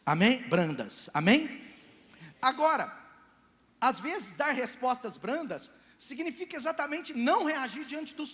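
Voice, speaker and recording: A man preaching a sermon as pastor at a church service, animated and calling on the congregation to answer back. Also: fairly high pitch. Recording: long church hall reverb.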